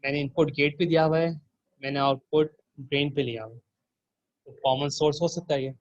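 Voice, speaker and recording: A man's voice: a little high, steady tone, brisk, dry recording, muffled recording. A man working as a teaching assistant, walking students through a circuit simulation and quizzing them with questions.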